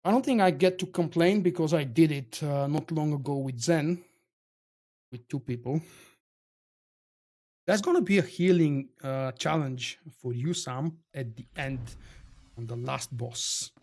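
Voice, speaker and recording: Bulgarian-accented male streamer, chatty, answers chat; voice a little high. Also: unhurried, darkish tone. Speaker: game streamer. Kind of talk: casual live-stream chat.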